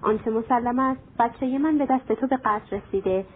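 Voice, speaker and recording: A woman's voice: on the high side, slightly rough. A woman voicing an ancient, white-haired male jinn who speaks in a threatening, relentless way, over a tinny phone-like line. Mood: menacing.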